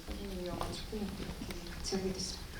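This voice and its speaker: A woman film director explaining her casting at a screening Q&A, talking haltingly as she searches for words. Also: medium pitch, little pitch movement. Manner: hesitant, thinks aloud with fillers. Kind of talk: festival Q&A talk. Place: cinema auditorium at a film festival. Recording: echoey hall from far off, noisy.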